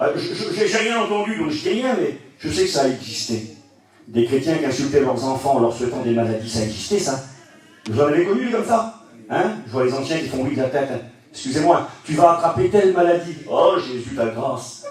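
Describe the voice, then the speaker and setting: Against noticeable background noise and audible room echo, a man at a fairly high pitch speaks at a moderate pace with very wide pitch swings. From France. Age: 40s. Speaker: pastor. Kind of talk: sermon. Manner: animated.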